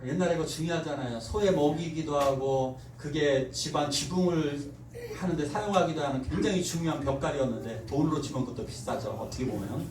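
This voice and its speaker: A pastor giving a Sunday sermon, telling stories and acting out quoted lines with laughter. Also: male voice, fairly high pitch, a little fast, a little hiss or hum. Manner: animated storytelling, acts out quoted voices with laughter. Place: church sanctuary. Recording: roomy church hall, mic at a distance.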